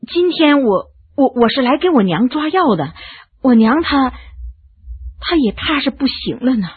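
A woman voicing a timid, poor young village wife who speaks softly and haltingly. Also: sits high, big pitch swings, husky, phone-quality sound, heavily acted. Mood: timid, sad. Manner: halting, hesitant, soft-spoken.

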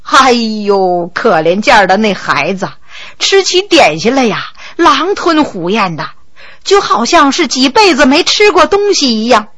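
A woman voicing a kindly, rambling elderly empress dowager in a storybook, speaking slowly with sighs. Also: fairly high pitch, sing-song, fairly bright tone, dry recording, exaggerated voice. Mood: chatty. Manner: slow, chatty, sighing.

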